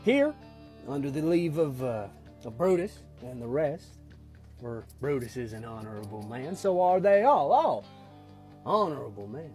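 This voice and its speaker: A man with a Southern US accent and a husky voice, reciting a Shakespeare monologue in a casual, halting way with restarts. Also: medium pitch, sing-song, a little mellow, faint music behind.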